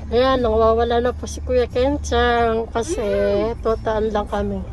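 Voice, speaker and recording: A woman's voice: on the high side, level tone, unhurried, a little mellow. A young Filipino woman chatting casually as a vlogger and mother in a home family video. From Philippines. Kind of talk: casual family vlog chat.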